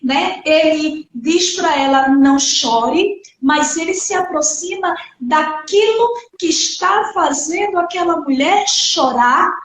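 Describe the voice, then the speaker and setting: Woman pastor, high voice, earnest preaching, distant mic, echoey hall. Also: slow, a bit bright, slight background noise. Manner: earnest preaching with frequent "né" and acted quotes. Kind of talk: sermon. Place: church hall. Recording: echoey church hall from far off.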